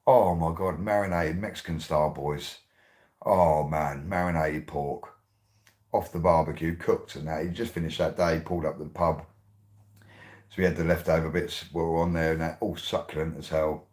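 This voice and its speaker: Low-voiced excitable man. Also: moderate pace. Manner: excitable, rambling, laughs often, swears. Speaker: radio host. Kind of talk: casual monologue.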